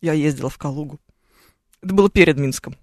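A woman's voice: sits low, fast talker, a little mellow, dry recording. A woman co-hosting a radio morning show, telling travel stories in a chatty, ironic way into a studio microphone. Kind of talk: casual on-air chat.

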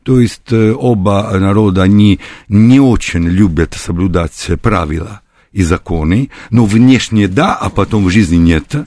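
Guest: a man, halting and full of pauses, dry studio sound. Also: fairly low pitch, darkish tone, dry recording. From Italy. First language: Italian. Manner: hesitant, many pauses and fillers. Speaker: guest, translator. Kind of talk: casual radio interview.

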